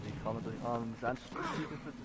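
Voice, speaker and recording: A man's voice: mid-range voice, steady tone, background noise. A young man with a Swiss German accent chatting offhandedly while gaming. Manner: quick, offhand. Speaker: gamer. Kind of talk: casual co-op gaming chat.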